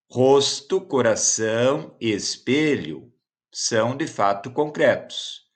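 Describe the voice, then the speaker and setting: A man teaching a lesson, explaining exam questions step by step with frequent checking questions. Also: medium pitch. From Brazil. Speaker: Portuguese teacher.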